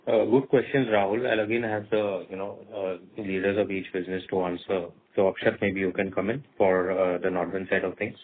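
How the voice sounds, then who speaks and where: A man's voice: low voice, little pitch movement, fairly quick, few pauses, husky. A man, a company executive, giving unscripted explanations on a corporate conference call. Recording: narrowband phone-call audio.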